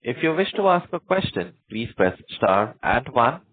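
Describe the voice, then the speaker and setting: A man's voice: medium pitch, sing-song, normal speed. A man, the call operator, formally introducing each next questioner. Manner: formal, scripted. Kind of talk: call moderation. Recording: tinny phone line.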